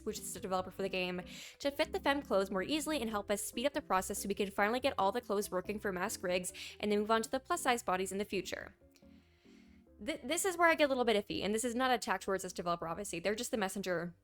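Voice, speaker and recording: Raspy-voiced young woman talking fast. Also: medium pitch, animated, faint music behind. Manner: chatty, quick, reads posts aloud and comments. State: hoarse, sore throat. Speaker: gaming news commentator. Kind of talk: casual commentary.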